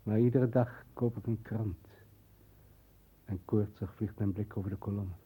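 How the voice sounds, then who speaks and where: A man's voice: lowish voice, fairly even intonation, normal speed, warm tone, breathy edge. A man acting a broken, guilt-ridden, dreamy down-and-out brother in a 1960s radio play, subdued and brooding. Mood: dreamy, feverish. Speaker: actor in a radio drama.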